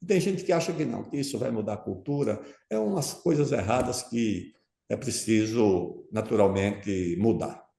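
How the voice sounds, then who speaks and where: A man's voice: on the low side, animated, moderate pace, creaky, dark tone. A man answering as an interview guest, explaining his views at length and emphatically, often checking in with his listener. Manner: emphatic, keeps checking in with "tá certo?". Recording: roomy echo.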